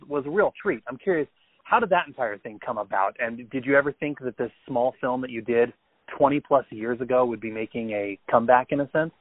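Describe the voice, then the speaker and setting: A man with a mid-pitched voice asks an interview guest questions in a friendly, eager way. He is heard over a thin, phone-like line, and the sound is dry. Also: no room sound. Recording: tinny phone-line audio.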